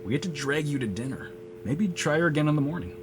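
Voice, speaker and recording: A man's voice: on the high side, expressive, fast talker, background noise, lightly acted. An actor playing a practical, teasing man in an investigating team in an audio drama, laconic and matter-of-fact. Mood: dryly teasing. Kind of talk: naturalistic audio drama dialogue.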